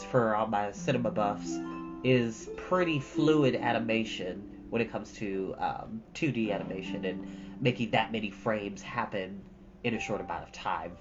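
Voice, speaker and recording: A man's voice: on the low side, measured pace. A man hosting a stream, chatting casually and emphatically to his viewers in an informal, folksy way, often repeating himself for effect. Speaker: storytime stream host. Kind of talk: casual chat to live viewers. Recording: dull lo-fi audio, loud music.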